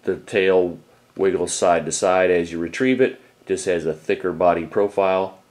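A middle-aged man with a deep, low voice walks through his gear in a casual how-to style. He talks plainly and practically, with a fair number of uh's along the way. He sounds like the experienced fishing guide that he is. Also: normal speed, a little mellow. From Florida. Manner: plain, practical, with frequent uh fillers. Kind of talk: casual instructional talk.

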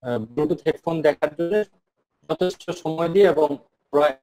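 A man's voice: fairly high pitch, moderate pace, over music. A man with a slightly raised voice teaches an online class, explaining things step by step. His voice keeps stuttering and cutting out over a lagging video call, with words dropping away mid-phrase. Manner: explains step by step in a mix of Bengali and English terms. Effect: voice breaking up and cutting out over a lagging online call. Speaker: instructor.

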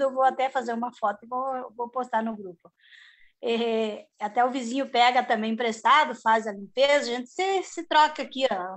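A woman's voice: high-pitched, a bit bright. A middle-aged woman from Brazil, an organic farmer speaking from home on a video call, chatting in a rambling way with many restarts. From southern Brazil. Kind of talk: casual video-call panel talk.

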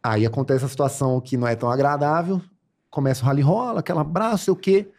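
A man's voice: mid-range voice, fast talker, a little mellow. A man, a podcast guest, telling a story casually and acting out the quotes with animation.

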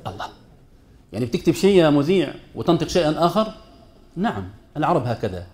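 A man with a fairly high, mellow voice teaches a class on the rules of Quran recitation. He speaks emphatically, poses rhetorical questions to his students, and blends formal Arabic with colloquial asides.

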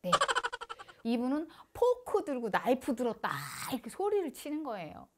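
A woman shaman telling a funny story to camera in a lively, dramatic way, indoors. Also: high voice, normal speed, very noisy.

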